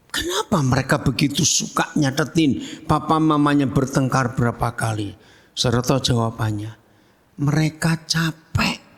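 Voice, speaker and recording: A male pastor preaches in a slow, unhurried way, his voice rising and falling with lively swings in pitch. He jokes with the congregation and keeps putting questions to them. His voice carries a long reverb that rings through a church hall. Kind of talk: sermon.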